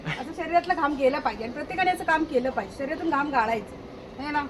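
A woman's voice: sits high, fast. A woman chatting casually through a home vlog, talking and scolding as she goes. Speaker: vlogger. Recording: noisy home recording.

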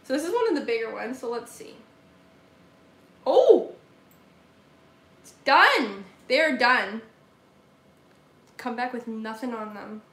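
A woman's voice: a little high, lively intonation, takes it slowly, pauses often, a bit bright. A young woman with a Southern accent chatting casually on a live stream from her home kitchen, answering viewer comments while she bakes. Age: young adult. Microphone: laptop or phone camera at table distance. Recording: echoey kitchen room sound.

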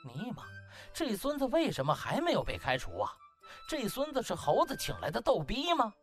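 A man tells a comic story in a dramatized audiobook style. His delivery is extremely lively and varied in pitch, with faint music underneath. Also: normal speed. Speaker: audiobook narrator.

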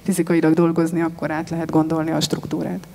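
Woman farmer, 30s, panel guest, mellow tone, hesitant, echoey hall. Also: low voice, gravelly. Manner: thoughtful, steady, many hesitations. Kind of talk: panel discussion answers. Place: large expo stage with sofas. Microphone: handheld mic. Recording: long hall reverb.

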